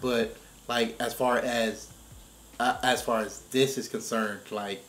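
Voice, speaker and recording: An American man in casual discussion, thinking aloud in a halting, emphatic way and often repeating himself. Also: medium pitch, fairly even intonation, a bit bright. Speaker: reaction show host. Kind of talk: casual chat, video game story discussion. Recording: roomy, echoing space.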